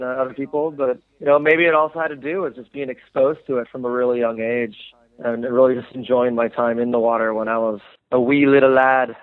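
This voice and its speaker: A man's voice: medium pitch, dry recording. Reflective man on a tinny phone line. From United States. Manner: reflective, halting, many fillers and restarts. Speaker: interview guest, former Olympic swimmer. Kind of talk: casual interview conversation.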